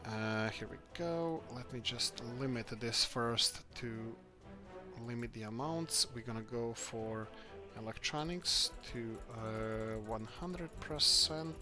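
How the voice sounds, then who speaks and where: A man's voice: mid-range voice, takes it slowly. A man from Croatia, hosting a let's-play game video and thinking aloud as he builds, often searching for words. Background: background music.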